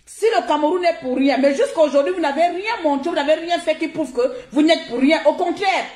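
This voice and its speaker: A woman from Gabon with a high voice scolds her viewers in a heated live-stream rant, hammering her points by repeating them. She talks into her phone in an echoey room. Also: a little fast, a little mellow. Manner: confrontational, scolding, repeats herself for emphasis. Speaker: social media live streamer.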